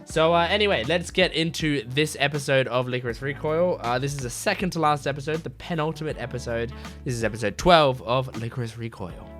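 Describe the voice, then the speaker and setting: A man who runs an anime reaction channel, talking casually to his viewers while sick, so his voice is gravelly and raspy and he coughs, rambling with many fillers and bursts of excitement. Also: mid-range voice, a little fast, over music. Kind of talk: casual chat to camera, reacting to an episode.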